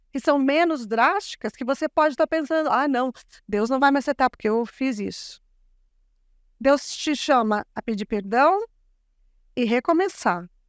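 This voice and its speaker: At a fairly slow pace and high pitch, a woman speaks with long, frequent pauses in a very clean, dry and close recording with no echo and a silent background. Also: lively intonation. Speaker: guest preacher. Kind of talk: sermon. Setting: church with congregation. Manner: halting, frequent self-corrections and repetitions.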